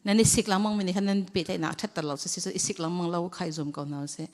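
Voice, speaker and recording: A woman's voice: fairly low pitch, racing. A woman leading a church training session, talking conversationally to a group. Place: church hall. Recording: long hall reverb.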